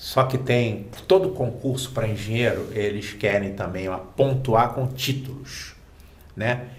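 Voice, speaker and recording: At a very slow pace, a man with a medium pitch and ordinary pitch variation speaks amid audible room echo. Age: 60s. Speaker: technical author and engineer. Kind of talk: interview.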